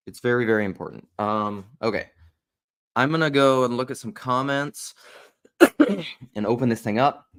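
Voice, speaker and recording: A man's voice: mid-range voice, animated, moderate pace, long pauses, fairly bright tone. A man giving casual video commentary and reading aloud, rambling and jumping between ideas.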